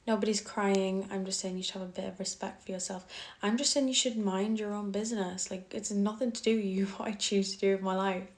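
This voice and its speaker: A woman's voice: medium pitch, steady tone, fairly quick, few pauses. Blunt Cumbrian woman live-streaming. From Cumbria, England. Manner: blunt, dismissive toward trolls, laughs easily. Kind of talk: casual live-stream chat answering comments. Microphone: phone.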